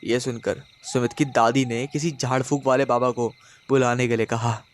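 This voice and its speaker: A man telling a horror story in steady, dramatic scripted narration. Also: medium pitch, normal speed, slight background noise.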